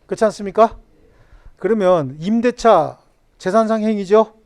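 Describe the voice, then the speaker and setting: A man's voice: high-pitched, moderate pace, clear, resonant tone. A man lecturing on civil law to a classroom, joking and firing questions at the students.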